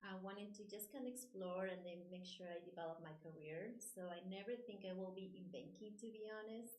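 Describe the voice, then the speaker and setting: A woman's voice: medium pitch, fairly quick, darkish tone. Woman in an echoey room. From Peru. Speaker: guest, banker. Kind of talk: casual panel chat.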